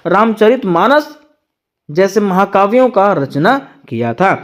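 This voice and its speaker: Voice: mid-range voice, animated, a little slow. A tutor giving an exam-prep lecture, asking rhetorical questions and answering them, repeating each point twice.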